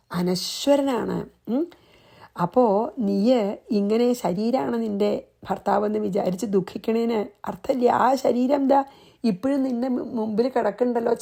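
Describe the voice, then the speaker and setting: A woman's voice: medium pitch, gravelly, warm tone, husky. A woman giving a devotional scripture commentary, patiently explaining point by point with repeated rhetorical questions. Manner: breaks into slow chanted Sanskrit verses. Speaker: scripture teacher.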